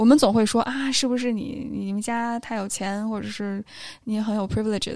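This woman talks fairly quickly at a fairly high pitch, with fairly even intonation and a plain, everyday voice. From northern China. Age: 20s. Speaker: relationship coach and podcaster. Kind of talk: casual interview conversation. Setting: live-streamed podcast.

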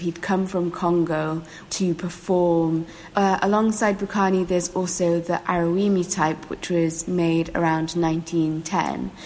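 Over noticeable background noise, a woman with a fairly low pitch speaks at a fairly slow pace in a monotone, flat intonation. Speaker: artist and exhibition curator. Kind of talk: explanatory talk to visitors. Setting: museum gallery.

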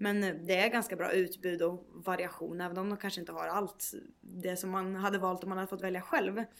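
Medium in pitch, a woman speaks at a fairly quick pace with monotone, flat intonation. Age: 20s. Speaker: college football player. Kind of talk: casual chat.

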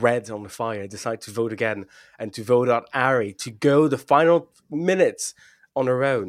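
Here a man talks at a moderate pace with a French accent. His pitch is medium, with ordinary variation. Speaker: podcast host. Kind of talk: casual chat.

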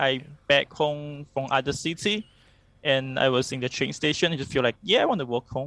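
Against a quiet background, a man speaks with a Chinese accent and ordinary pitch variation. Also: fairly high pitch for a man, moderate pace, dry, close sound with no echo. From China, Guangxi. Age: 20s. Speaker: recent graduate. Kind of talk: casual chat.

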